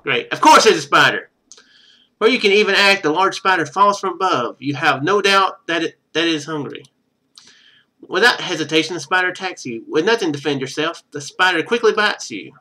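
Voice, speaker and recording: Male let's-play streamer, bright forceful tone, slightly high pitch, reads game text and comments casually. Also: lively intonation, a little fast. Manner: thinks aloud while playing.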